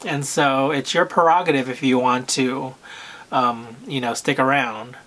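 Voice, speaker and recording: A man talking casually to camera about luxury purchases, with a soft, soothing voice and a hesitant manner full of pauses and fillers. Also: medium pitch, steady tone. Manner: unhurried, hesitant, full of "um" and "you know", frequent throat clearing. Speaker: luxury fashion vlogger.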